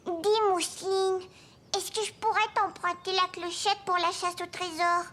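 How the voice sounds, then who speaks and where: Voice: very high voice, steady tone, normal speed, sharp tone, a little hiss or hum. An actor voicing a curious, eager four-year-old boy in a children's cartoon, with a small childlike voice. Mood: earnest. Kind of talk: children's cartoon acting in French.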